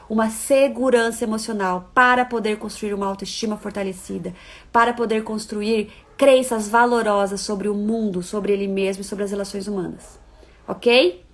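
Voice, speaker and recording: A woman giving parenting advice in a live-stream talk. She is expressive, shifting from soft, reassuring coaxing to emphatic points. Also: fairly high pitch. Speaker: parenting educator.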